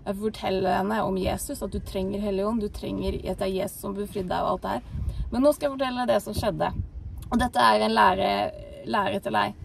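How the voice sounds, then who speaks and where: A woman co-hosting a faith talk, telling a personal testimony in an animated way with many fillers. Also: mid-range voice, vocal fry, far from the mic, a little hiss or hum. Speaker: co-host.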